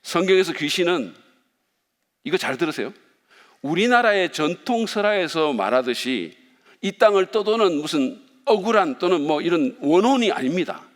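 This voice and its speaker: Man preaching, bright high voice, animated swings, long church-hall reverb. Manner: lively, playful, speaks directly to the congregation. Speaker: pastor. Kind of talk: sermon. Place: church sanctuary.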